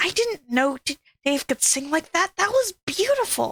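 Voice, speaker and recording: A woman hisses through a put-on character voice at an extremely high pitch, swinging very widely in pitch at a moderate pace. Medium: read story. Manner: hissing, blunt.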